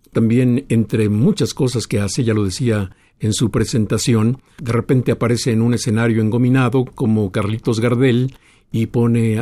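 A man hosting a radio interview, asking measured questions with small hesitations. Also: medium pitch, mellow, dry recording. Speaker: radio host.

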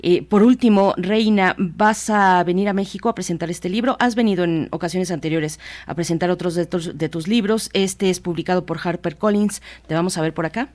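A woman's voice: lowish voice, a little fast, hardly any pauses, a little mellow. A woman radio host leading an interview, polite and formal in manner.

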